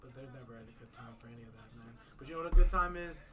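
A man's voice: medium pitch, rapid-fire, far from the mic, a crowd in the background. A man hosting a podcast in casual chat, laid-back and rambling, filling his talk with "man" and "you know". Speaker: podcast host.

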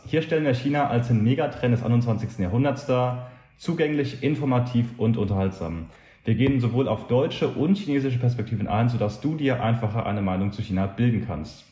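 A man's voice: mid-range voice, warm tone, reverberant, a little hiss or hum. A man hosting a podcast, asking questions in a friendly, informal way with frequent restarts. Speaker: podcast host. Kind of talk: casual interview conversation.

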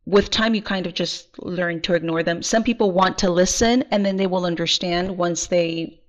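A woman's voice: lowish voice, unhurried. A woman from Texas, answering interview questions in an earnest, emphatic way and repeating words as she restarts. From Texas, USA. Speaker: guest, party regional director. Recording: slightly muffled audio.

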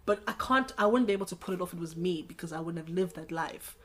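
Relaxed slangy woman chatting about music. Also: on the low side, fast talker. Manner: relaxed, slangy, talks through ideas with fillers. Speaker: podcast host. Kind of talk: casual chat about music.

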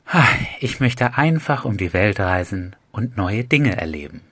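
Man playing a mellow stoner dreamer: low, soft, drowsy delivery. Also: animated, unhurried, breathy edge, dry recording, full character voice. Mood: dreamy. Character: dreamy, slightly stoned young guy.

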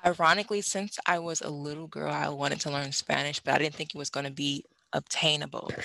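Young woman, casual guest chat; bright, slightly gravelly, animated with fillers and laughter, dry close sound. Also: low-pitched, brisk, no room sound. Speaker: guest language learner. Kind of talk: casual conversation.

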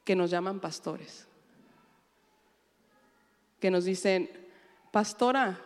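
A woman's voice: a little high, unhurried, in a large hall. A woman pastor giving a conversational sermon to her congregation, full of rhetorical questions. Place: church.

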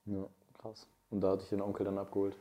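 Deep, flat-voiced host, quick and mellow. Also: male voice. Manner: brief affirming backchannels, quick casual questions. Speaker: podcast host. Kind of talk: casual interview questions.

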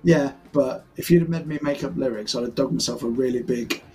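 A man's voice: medium pitch, brisk, mellow. A man chatting casually with fellow tabletop players on a stream and telling anecdotes. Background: music.

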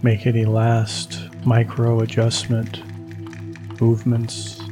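A man guiding a meditation in slow, soothing, calm instructions. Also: medium pitch, music in the background. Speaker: meditation guide. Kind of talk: guided meditation.

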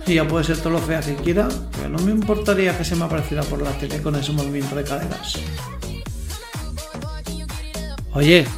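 A man's voice: fairly high pitch, steady tone, fast talker, vocal fry. An actor playing a cocky, lustful young man in a werewolf costume, narrating his night in slangy, self-mocking audio fiction. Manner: slangy, boastful, talks to himself. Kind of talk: first-person audio fiction narration with dialogue. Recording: roomy echo, faint music behind.

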